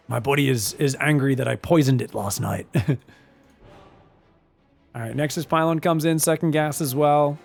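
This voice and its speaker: A man casting a strategy game on his own, excitable on big plays and analytical in replays, his voice phlegmy after being sick. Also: a little high, measured pace, creaky, pauses often, soft background music. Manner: excitable, shouts on big plays, then breaks down mistakes. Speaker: esports caster. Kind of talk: solo game commentary.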